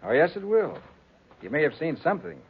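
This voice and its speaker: A man playing a brisk, confident, shrewd private detective in a 1940s radio crime drama. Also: on the high side, sing-song, slight background noise. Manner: assertive, explanatory. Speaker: radio actor. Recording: muffled, narrow-band old radio recording.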